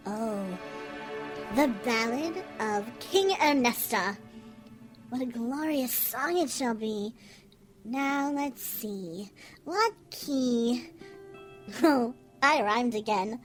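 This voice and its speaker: A woman's voice: fairly high pitch, lively intonation, extremely slow, long pauses, soft background music, low-quality recording. A woman voicing a whimsical, self-delighted songbird in a fantasy audio drama, theatrical and talking to itself. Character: whimsical self-praising songbird composing magic ballads.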